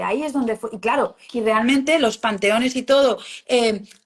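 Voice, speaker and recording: A woman's high-pitched voice at a fairly slow pace. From Spain, Catalonia. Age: 30s. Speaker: witchcraft practitioner and author. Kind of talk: interview conversation. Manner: hesitant, repeating words.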